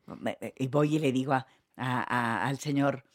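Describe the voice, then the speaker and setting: A woman's voice: very deep voice, normal speed, dry recording, studio quality. An older woman, telling anecdotes in a casual chat, often laughing and restarting her sentences. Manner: lively storyteller, laughs often, many restarts. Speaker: guest actress.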